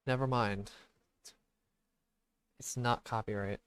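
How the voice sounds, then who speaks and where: A man with a quiet, low-effort voice, chatting casually and haltingly as he live-streams a game. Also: steady tone, smooth. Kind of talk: casual live-stream chat while gaming. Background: background music.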